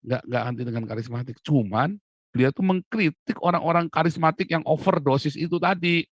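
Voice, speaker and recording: A male pastor giving an animated teaching talk, swinging between loud and hushed. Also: a little high, fairly quick, dry recording. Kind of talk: sermon-style teaching talk.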